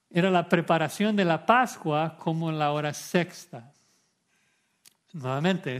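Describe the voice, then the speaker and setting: A male pastor delivers an expository sermon in a voice pitched a little higher than most men's. He preaches with emphasis, stacking repeated words and throwing out rhetorical questions to the congregation.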